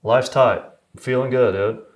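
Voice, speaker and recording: A man's voice: medium pitch, steady tone, measured pace, voice pushed down, natural voice. A man doing a slacker surfer-dude cop. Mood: laid-back. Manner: laid-back, drawling, says dude. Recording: roomy echo.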